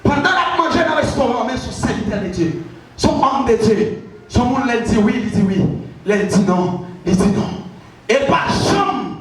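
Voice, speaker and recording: A man preaching a sermon, repetitive and emphatic, shouting out questions to the congregation. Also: extremely high pitch, expressive, normal speed. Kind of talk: shouted call-and-response sermon. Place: church hall. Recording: very echoey from far off, crowd behind.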